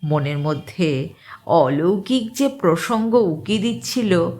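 A woman reading an eerie short story aloud as dramatic narration, with a suspenseful delivery and deliberate pauses. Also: fairly low pitch, darkish tone.

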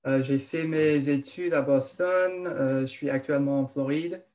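A man in his twenties with an American accent, introducing himself on a video call in a relaxed, hesitant way. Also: fairly high pitch, a little slow. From Chicago, United States. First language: English. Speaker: guest. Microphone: video call, earphones.

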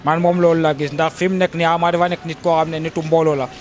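A young Senegalese man with a slightly high voice speaks steadily and with conviction, going back over his point more than once. Handheld mics are held close to him outdoors. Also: little pitch movement, quick pace. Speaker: local resident interviewee. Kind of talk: street interview. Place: outdoors by a wall. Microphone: handheld reporter mics held close.

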